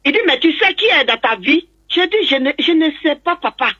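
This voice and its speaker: A woman's voice: high-pitched, lively intonation, a little fast, pushed and bright, highs cut off. A woman calling in to a talk show, recounting a personal story and acting out both sides of a conversation. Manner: acts out both sides of a dialogue. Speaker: caller.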